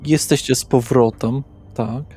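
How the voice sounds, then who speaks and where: A man's voice: mid-range voice, fairly even intonation, a little slow, mellow. A man running a tabletop role-playing session as game master, narrating on the fly. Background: music.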